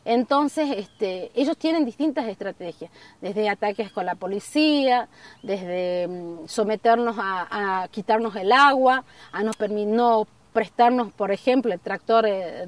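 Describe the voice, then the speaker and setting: Earnest woman outdoors, slightly distant. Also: medium pitch. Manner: earnest, gesturing, many fillers. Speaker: community member interviewed. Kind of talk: documentary interview. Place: outdoors in an open field. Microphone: camera at a distance.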